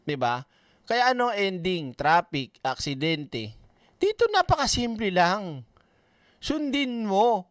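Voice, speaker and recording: Man, ranting commentary, blunt and profane, slightly high voice, smooth and clear, dry close mic. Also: a bit bright, no room sound. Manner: blunt, swears often, reads comments aloud. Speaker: online commentator.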